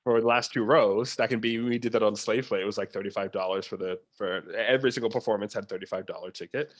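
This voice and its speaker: A man's voice: lowish voice, steady tone, quick pace. A man speaking as a theatre producer in a conversational interview, opinionated and emphatic, repeating phrases to stress his point.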